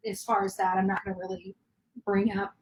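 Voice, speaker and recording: A woman's voice: mid-range voice, completely flat delivery, fairly quick, slight background noise, rough recording. A woman hosting a true crime call-in show, talking at length and often restarting her sentences. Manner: rambling, with many restarts. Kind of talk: live call-in chat.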